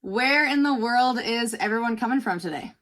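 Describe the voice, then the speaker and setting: A woman's voice: fairly high pitch, lively intonation, moderate pace, fairly bright tone. A woman with an American accent speaking as the host of a panel show, introducing the discussion to viewers. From United States. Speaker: podcast host. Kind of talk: scripted-sounding show introduction to camera.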